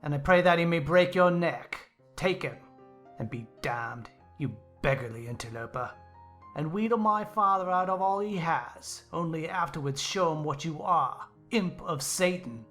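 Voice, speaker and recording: A woman voicing a spiteful, hot-tempered older boy who hurls scornful curses in a lowered voice. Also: lively intonation, normal speed, fairly bright tone, faint music behind. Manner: scornful, cursing, contemptuous.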